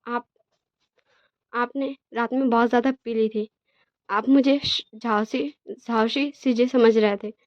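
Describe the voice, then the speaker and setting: A woman voicing a gentle, polite young male omega husband in a storybook retelling, speaking softly and quietly. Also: a little high, fairly even intonation, measured pace, pauses often, no room sound, muffled recording, natural voice. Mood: soft calm.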